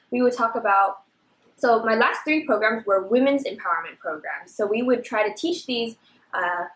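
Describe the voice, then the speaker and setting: A woman's voice: on the high side, a bit bright, a little hiss or hum. A young woman chatting casually in an eating vlog, bubbly and talkative, filling her speech with "like". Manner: bubbly, chatty, says "like" often. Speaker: vlogger. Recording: echoey room.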